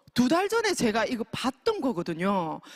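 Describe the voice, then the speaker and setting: Animated and with very wide pitch swings, a woman talks in a Busan accent. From Busan, South Korea. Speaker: network marketing distributor. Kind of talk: seminar talk.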